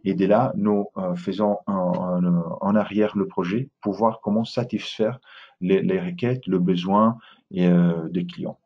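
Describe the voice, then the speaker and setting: A man's voice: low-pitched, fairly even intonation, measured pace, husky, muffled recording. A man from Italy speaking French with an Italian accent, giving a webinar presentation, hesitant with many fillers and restarts.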